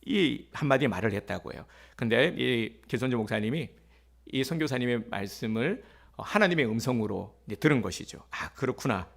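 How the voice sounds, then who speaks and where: Man, pastor, sermon, gravelly voice, conversational, mid pitch. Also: expressive, brisk. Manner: conversational preaching with fillers and acted quotes.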